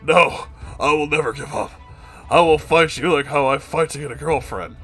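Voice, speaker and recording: A man's voice: fairly high pitch, normal speed, fairly bright tone, husky, faint music behind. A man voicing an angry, self-pitying neckbeard with a defiant, aggrieved, melodramatic delivery for a comic story.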